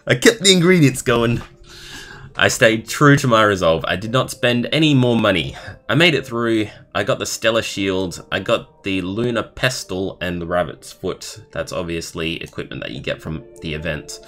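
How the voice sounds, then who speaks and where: A young man live streaming, reading a story aloud in a halting way and adding casual comments of his own. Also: fairly low pitch, animated, a bit bright. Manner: halting, stumbling over words while reading. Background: background music.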